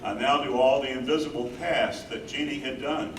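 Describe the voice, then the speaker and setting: A man's voice: medium pitch, normal speed, lightly acted. A man playing a tender, mournful aging husband and caretaker in a staged reading. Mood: weary, devoted. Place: live staged reading in an echoey room. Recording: roomy, distant, noisy stage recording.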